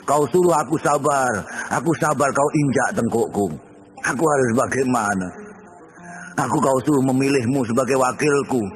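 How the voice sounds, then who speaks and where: A man's voice: mid-range voice, normal speed. Man reciting poetry, radio reverb. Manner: emphatic, rhetorical, rising on repeated lines.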